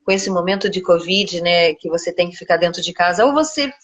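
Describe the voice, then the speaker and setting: A woman's voice: fairly low pitch, lively intonation, fairly quick. A middle-aged Brazilian woman, a singer, talking casually as an interview guest.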